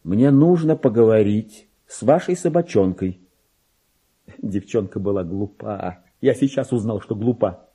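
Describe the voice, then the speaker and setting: An actor playing an excitable, self-important, paranoid petty clerk in a theatrical radio monologue, with a husky voice and volatile delivery that swings between confiding and outbursts. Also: male voice, on the low side, measured pace, full character voice. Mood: agitated. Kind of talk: dramatic monologue reading in a radio play.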